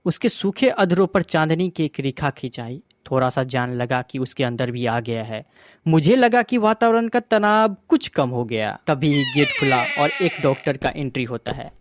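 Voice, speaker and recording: Expressive Bihari storyteller man. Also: mid-range voice, dry recording. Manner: expressive, repeats phrases for emphasis. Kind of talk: animated bedtime story narration.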